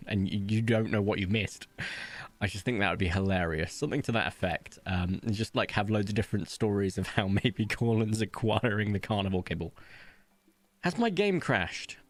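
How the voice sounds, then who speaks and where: A man's voice: fairly low pitch, no echo. A man hosting a casual let's-play, chatty and upbeat, rambling and laughing often at his PC desk mic. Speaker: gaming channel host.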